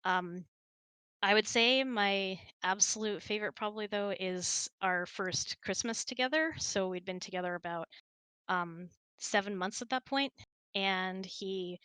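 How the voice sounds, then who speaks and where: A woman's voice: mid-range voice, measured pace, pushed and bright, clean tone, no room sound. A woman hosting, chatting casually and telling personal stories in a conversational way. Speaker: host.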